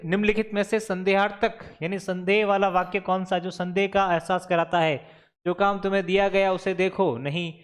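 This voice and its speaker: A man's voice: sits high, smooth. A man teaching, working through exam questions step by step and answering his own questions aloud. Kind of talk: exam solution lecture.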